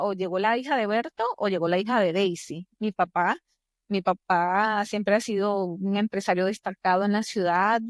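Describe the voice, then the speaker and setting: A woman in her fifties with a Venezuelan accent shares personal stories as a podcast guest. Her mid-range voice is expressive and emphatic, often repeating phrases for effect. The sound is dry, with little room echo. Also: mid-range voice. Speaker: podcast guest, executive coach. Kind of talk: conversational interview, personal storytelling.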